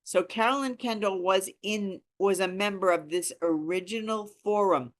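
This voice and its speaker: A woman's voice: mid-range voice, moderate pace. A woman in her sixties leads an informal group discussion. She speaks earnestly and puts emphasis on her points, with a mid-range voice. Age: 60s. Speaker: reading group leader.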